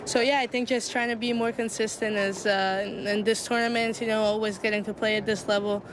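A woman's voice: mid-range voice, flat delivery, fairly quick. Upbeat eighteen-year-old woman from Italy. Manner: upbeat, with frequent fillers. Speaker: tennis player interviewed. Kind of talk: casual interview. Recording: outdoor street noise.

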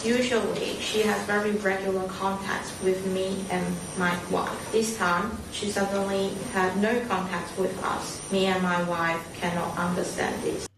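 A woman working as a live interpreter, voicing a father's words in the first person with a flat, measured delivery. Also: medium pitch, heavy reverb, recorded from a distance, noisy background.

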